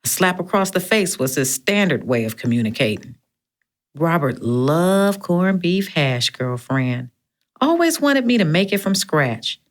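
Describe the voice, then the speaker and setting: A woman's voice: fairly low pitch, very animated, a little slow. A woman voicing a sassy, bawdy woman friend in an audiobook, swearing freely as she tells a story. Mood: mocking, bawdy. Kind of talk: audiobook character reading.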